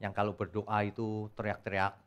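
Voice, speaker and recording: A man preaching a sermon at a church service, emphatic and animated, with loud peaks. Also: lowish voice, normal speed, highs cut off, faint music behind. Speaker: pastor.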